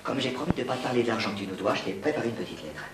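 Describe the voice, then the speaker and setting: A sarcastic middle-aged father who nags at a rapid clip with a lively pitch. The recording is roomy and distant. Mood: reproachful. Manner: reproachful, sarcastic. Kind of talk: film acting. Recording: roomy film sound, distant mic, noisy.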